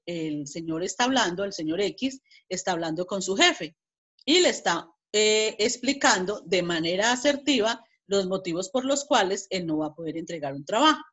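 In a medium-pitched, slightly bright voice, a Colombian-accented woman gives an online class. Her step-by-step explanations are full of restarts and repeated words, and she reads out example dialogues with emphasis.

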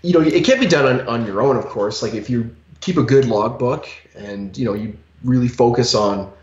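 A man in his forties with a medium-pitched voice co-hosts a fitness podcast, speaking at normal speed. He talks emphatically in casual podcast chat, leaning heavily on "you know." He's on a headset during a video call, and the call audio is echoey and a little dull.

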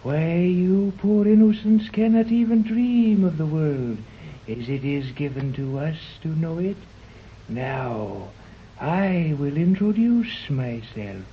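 An actor playing a haughty, condescending man of a hidden scientific colony, speaking in a slow, pompous way in a 1930s radio drama. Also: fairly high pitch, expressive, slight background noise. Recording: dull old 1930s radio recording.

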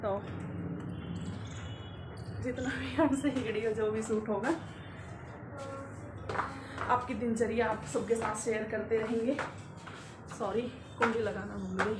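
A woman's voice: fairly high pitch, fairly even intonation, measured pace, pauses often, reverberant, heavy background noise. A woman chatting casually to her viewers while she cooks at home, talking through each step with many fillers. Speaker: vlogger. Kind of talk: casual cooking vlog narration. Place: home kitchen and rooftop.

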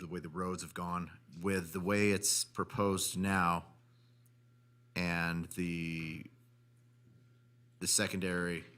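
Deep, forceful-toned man at a meeting. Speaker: planning commissioner. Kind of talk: informal public meeting remarks and questions. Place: public meeting room.

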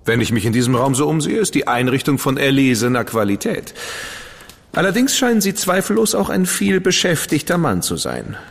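A witty, flamboyant dandy writer in a radio drama, with a husky voice and a lively, swooping pitch. He talks in a theatrical, flowery, playful way, and a long reverb trails behind each line. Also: fairly quick. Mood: amused, flowery. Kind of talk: German studio radio drama acting.

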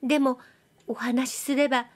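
Brief: coy young girl with a soft nasal lilt, pitched high, as a woman reader puts her on. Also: level tone, normal speed, close to an everyday voice. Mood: coy, pleading. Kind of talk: audiobook reading.

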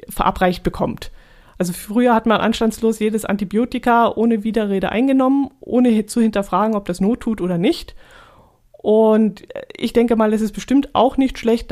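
A woman's voice: medium pitch, darkish tone. Chatty woman hosting a podcast. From Allgäu, Germany. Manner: chatty, digressive, laughs often. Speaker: podcast host. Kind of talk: casual solo podcast monologue.

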